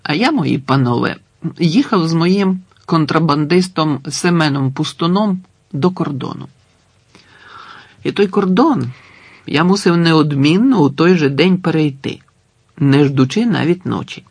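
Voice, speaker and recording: A man playing a prisoner telling a tale, wistful and confiding as he addresses his listeners. He takes an unhurried pace in a gravelly, husky voice. The sound is dry and close. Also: on the high side, expressive, no room sound, pitched above the performer's own voice, heavily acted.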